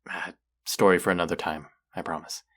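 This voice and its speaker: A man acting an earnest, gently wry thousand-year-old immortal in an intimate audio roleplay, speaking in a hesitant, confiding way. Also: low voice, little pitch movement, fairly quick. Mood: reassuring, wry. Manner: hesitant, confessional, softly reassuring.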